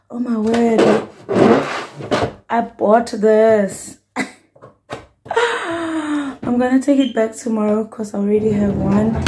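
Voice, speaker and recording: Through loud background noise, a woman talks at a very slow pace with long, frequent pauses and ordinary pitch variation. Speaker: vlogger showing her new home. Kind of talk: casual vlog chat. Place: home room. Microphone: phone near.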